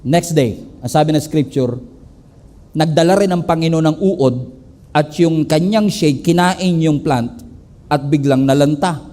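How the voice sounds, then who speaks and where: A male pastor with a Filipino accent delivers a lively sermon in a fairly high voice. He moves freely between English and Tagalog and acts out the characters in his story as he preaches. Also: unhurried.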